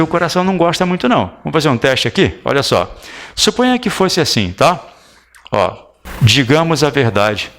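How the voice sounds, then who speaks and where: A man's voice: medium pitch, a bit bright. A man with a Brazilian accent teaching Portuguese grammar in a recorded exam-prep lesson, chatty and coaxing, often checking that students follow. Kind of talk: recorded video lesson at a whiteboard.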